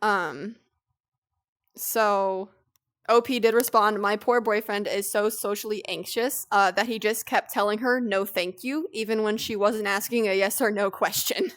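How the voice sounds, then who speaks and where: A young woman co-hosting a casual stream, reading posts aloud and telling stories with lively, profane energy. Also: medium pitch, unhurried. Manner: animated storytelling, swears freely. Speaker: streamer, co-host.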